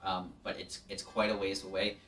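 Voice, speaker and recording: A man's voice: low-pitched, completely flat delivery, moderate pace, fairly bright tone, faint music behind. A man narrating a tabletop game as game master, hesitant and full of restarts. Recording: distant mic, faint background noise.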